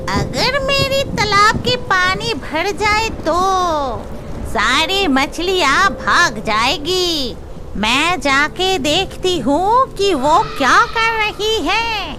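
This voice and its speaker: A female-sounding cartoonish character voice speaks at an extremely high pitch and a very slow pace. Loud noise runs in the background. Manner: grumbling, scolding.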